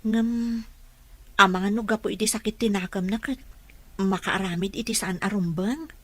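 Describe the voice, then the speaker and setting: A woman's voice: medium pitch, normal speed, fairly bright tone, natural voice. A woman with an Ilocano accent playing a dutiful, concerned household aide in an audio drama. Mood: respectful concern.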